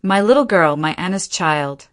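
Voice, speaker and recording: A woman's voice: lowish voice, animated, moderate pace, close to an everyday voice. A woman voicing a tearful, ailing older man. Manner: soft, tearful delivery. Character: grieving older man, ill and shaken. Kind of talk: dramatized storybook quotes.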